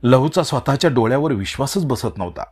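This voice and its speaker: A man narrating a serialized village novel in a steady storytelling tone. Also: mid-range voice, quick pace, husky.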